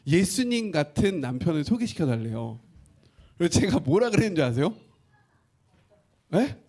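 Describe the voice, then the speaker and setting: A male pastor preaching a sermon, asking the congregation questions and acting out quotes in an animated way. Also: a little high, moderate pace.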